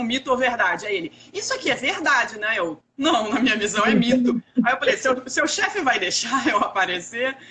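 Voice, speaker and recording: Over noticeable background noise, a woman speaks at a fairly quick pace in a high pitch. Her tone is animated and her intonation lively. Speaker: personal finance educator. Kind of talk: casual chat. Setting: Instagram live video.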